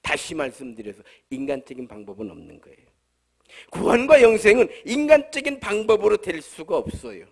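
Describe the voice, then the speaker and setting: A man's voice: high voice, a bit bright. A male pastor with a Jeolla accent, delivering a humorous, conversational sermon full of rhetorical questions at a church service. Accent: Jeolla Korean.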